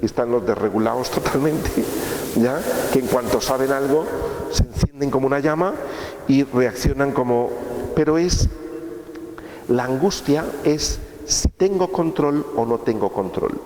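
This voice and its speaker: A man's voice: mid-range voice, unhurried, a little mellow. Man lecturing in an echoey hall. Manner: conversational, asks rhetorical questions with tag checks. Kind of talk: course lecture. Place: lecture room. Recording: echoey hall, faint room noise.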